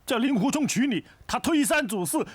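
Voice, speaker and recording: A man's voice: extremely high pitch, expressive, brisk, husky, no echo, exaggerated voice. An actor playing a guilt-ridden, melodramatic father in a period martial-arts TV drama, theatrical and wailing. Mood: rambling storytelling. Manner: wailing and theatrical, swinging between sobs and rambling stories. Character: guilt-ridden, melodramatic father who keeps trying to die. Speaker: the young woman's father. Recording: TV drama with music score.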